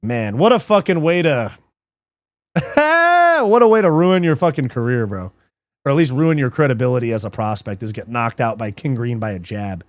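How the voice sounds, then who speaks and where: A man's voice: medium pitch, normal speed, dry recording, studio quality. A man casually breaking down fights on a livestream, swearing, laughing and replying to live chat. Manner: profane, excitable, reads live chat, laughs often. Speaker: livestream MMA show host.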